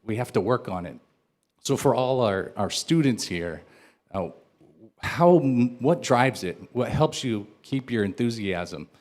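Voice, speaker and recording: A man's voice: medium pitch, lively intonation, unhurried, darkish tone. A man who teaches English, asking a long, hesitant question from the audience at a lecture. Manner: hesitant, lengthy question with restarts.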